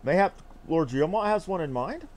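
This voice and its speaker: A man reading a fantasy game script aloud in a formal, theatrical, measured delivery. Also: a little high, lively intonation, darkish tone.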